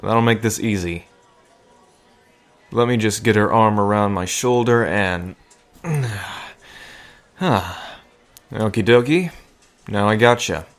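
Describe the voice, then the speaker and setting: A man plays a reluctant sidekick behind the bar in an audio roleplay. He is an awkward, wry man with a fairly low voice and a slow, hesitant delivery. Faint music sits behind him. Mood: teasing, resigned. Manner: hesitant, wry, muttering asides. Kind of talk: dramatic audio roleplay acting.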